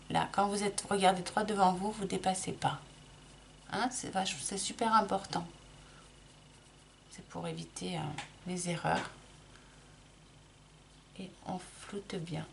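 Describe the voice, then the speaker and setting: A woman's voice: medium pitch, a little slow, creaky, long pauses, a little hiss or hum. A middle-aged woman chatting casually through a makeup tutorial, explaining each step with lots of small restarts. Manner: chatty, explains while applying, frequent restarts and fillers. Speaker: makeup vlogger.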